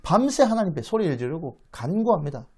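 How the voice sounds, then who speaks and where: Guy teaching a bible class like a story, acts out the lines, lots of ups and downs, kind of high voice. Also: fairly quick, breathy edge. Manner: animated, acts out the quoted speech, asks the audience questions. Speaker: Bible lecturer. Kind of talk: dramatic storytelling lecture.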